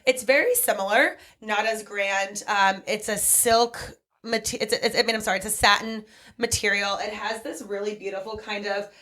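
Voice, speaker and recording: A woman's voice: medium pitch, steady tone, normal speed, bright, forceful tone. A woman from a bridal salon, chatting on a podcast and gushing about wedding dresses. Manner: gushing, enthusiastic. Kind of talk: casual podcast chat.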